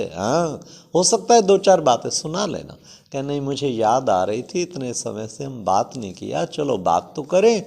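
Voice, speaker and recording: A man's voice: fairly high pitch, vocal fry, a little mellow. A man giving a conversational devotional talk with rhetorical asides to his listeners. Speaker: spiritual speaker. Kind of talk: devotional talk on the day's teaching.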